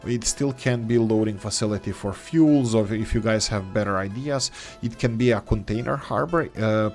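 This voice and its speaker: A man hosting a gameplay video who thinks aloud as he plays, speaking English as his third language and often pausing with fillers and restarts. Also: on the low side, darkish tone. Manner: hesitant, many fillers and restarts. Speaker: game let's-play host.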